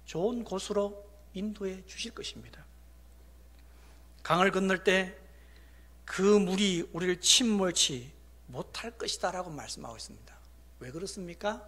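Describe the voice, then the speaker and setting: A middle-aged man preaching a sermon in a very high voice. His tone is bright and forceful. He moves between hushed, whispered lines and loud, emphatic declarations, and acts out the people and God he quotes. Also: breathy edge. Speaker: pastor.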